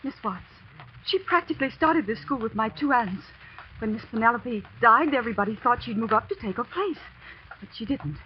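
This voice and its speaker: A woman's voice: fairly high pitch, animated, a little fast, a little hiss or hum, natural voice. A woman playing an anxious pleading schoolgirl. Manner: pleading, urgent. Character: anxious young female student. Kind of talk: 1940s radio acting. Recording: dull old radio broadcast.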